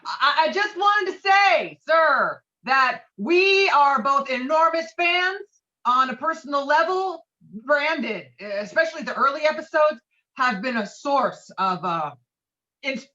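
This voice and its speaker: A woman's voice: high voice, lively intonation, takes it slowly, pushed and bright, lo-fi sound, heavily acted. A woman playing a brash, foul-mouthed, domineering man in a script table read, talking in a blustering, insistent way. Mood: politely loud. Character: brash, foul-mouthed, domineering male friend named Walter. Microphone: video call.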